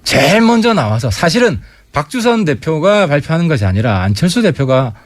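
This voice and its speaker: A man guesting on a radio current-affairs interview as a lawmaker, giving pointed, sharp-tongued political commentary into a studio mic. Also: on the high side, very animated, fairly quick, no echo.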